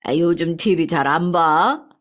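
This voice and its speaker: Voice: mid-range voice, a little slow, a bit bright, lightly acted. A speaker voicing an older man, a blunt friend from construction days, grumbling over drinks.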